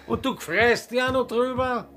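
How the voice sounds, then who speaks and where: An actor playing a flamboyant, sharp-tongued gay drag performer in a radio drama, theatrical and teasing, with an Austrian accent. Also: male voice, very high-pitched, fairly even intonation, normal speed. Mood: mocking, exasperated. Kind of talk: naturalistic radio drama dialogue.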